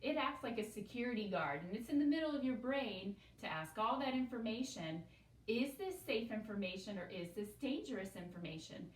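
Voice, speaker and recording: A fairly high-voiced woman leads an elementary lesson in a patient, sing-song teaching voice, leading the class through repeat-after-me phrases. Her voice sounds a little far from the mic and echoes in a roomy space with faint background hum. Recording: echoey room, voice from a distance.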